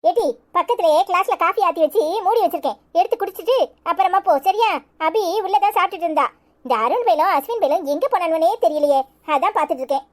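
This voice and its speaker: A bossy elder village sister. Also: female voice, extremely high pitch, quick pace. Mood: fussing. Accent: Tirunelveli Tamil. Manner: blunt, scolding, motherly. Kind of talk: cartoon voice acting.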